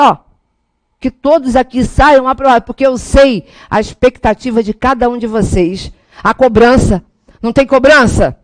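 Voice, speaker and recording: A woman teaching law in a lively, motivational classroom lecture, speaking straight to her students with a Brazilian Portuguese accent. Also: high-pitched, no echo.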